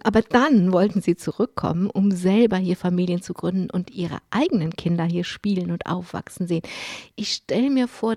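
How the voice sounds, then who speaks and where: A woman host asking prepared interview questions in a calm, measured way. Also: medium pitch, dry recording, studio quality. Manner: calm, measured, partly scripted.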